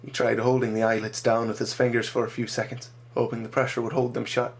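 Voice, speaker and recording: Man narrating his own dark story. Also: mid-range voice, flat delivery, quick pace, vocal fry.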